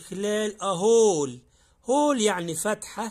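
A man with an Egyptian accent speaks in very wide pitch swings. The recording is very clean, with a silent background. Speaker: English teacher. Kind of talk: tutorial. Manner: halting.

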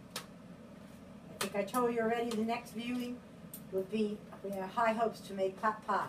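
With noticeable background noise behind her, a woman speaks at a fairly high pitch in a monotone, flat intonation. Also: moderate pace. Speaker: home cook. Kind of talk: cooking tutorial. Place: kitchen. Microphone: camera far.

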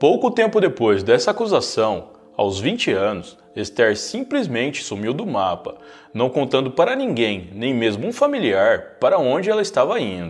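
With music in the background, a man speaks in a Brazilian accent. His tone is serious and his pace moderate. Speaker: true crime YouTuber. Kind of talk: true-crime narration, storytelling a case in a steady read-out. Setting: home studio recording for video channel. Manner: measured, even, serious storyteller pace; clear and informative, slightly formal.

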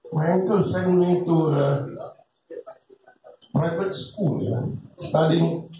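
A man speaks at a very slow pace. Audible room echo and light background noise surround him. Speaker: retired school principal, law teacher. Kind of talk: after-lunch speech to former students. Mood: humorous, reminiscing. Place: hall.

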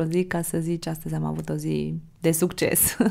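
Her dark, mellow tone carries at a moderate pace, and the woman uses ordinary pitch variation. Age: 40s. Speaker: podcast host. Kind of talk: podcast interview.

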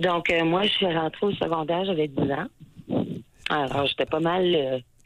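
A woman speaks in a Quebec accent with a very deep, low pitch. Her pace is fairly slow and her pitch varies in an ordinary way. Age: 50s. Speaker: caller. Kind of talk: call-in radio show. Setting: phone call. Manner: halting.

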